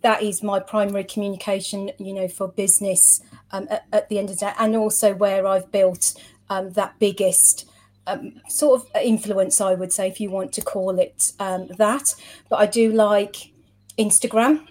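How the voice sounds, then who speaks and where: A woman's voice: medium pitch, little pitch movement, moderate pace, a little mellow. A middle-aged woman answering interview questions in a chatty, explanatory, conversational way. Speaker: interview guest, social media professional.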